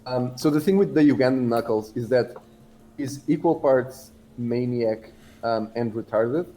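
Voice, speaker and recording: A man from Portugal chatting casually as a livestream guest, halting and rambling but blunt in how he talks. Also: mid-range voice, dark tone, a little hiss or hum.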